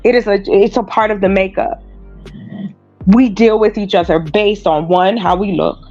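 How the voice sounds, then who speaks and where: Woman panelist, earnest and measured, dull remote audio, soft music under. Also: mid-range voice, fairly even intonation. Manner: measured and earnest, making points step by step. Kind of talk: discussion on a live panel.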